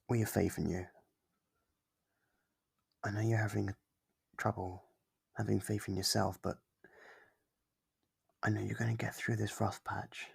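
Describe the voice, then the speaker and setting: A man playing a kindly, apologetic sleep paralysis demon in a soft ASMR roleplay, speaking gently and hesitantly in a low, gravelly, husky voice. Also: exaggerated voice. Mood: earnest, reassuring. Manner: soft-spoken, hesitant, reassuring.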